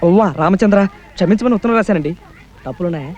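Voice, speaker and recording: An actor playing a bumbling, overly polite young tailor in comic film dialogue. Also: male voice, high-pitched, expressive, fast talker, darkish tone, dull audio. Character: bumbling young male tailor, pestering and cheeky.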